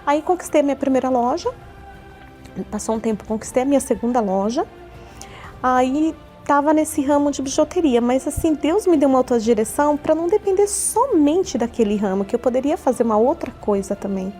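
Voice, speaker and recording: A Brazilian woman in her forties, a church member, gives an earnest personal testimony and often repeats herself. Her voice is high, animated, brisk and warm, with a Brazilian Portuguese accent. Faint music plays underneath.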